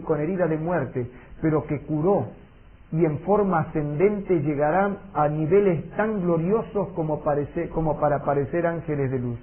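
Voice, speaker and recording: A man teaching a Bible seminar, earnest and emphatic, slowing down for solemn warnings. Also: fairly high pitch, husky. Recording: tinny lo-fi audio recording.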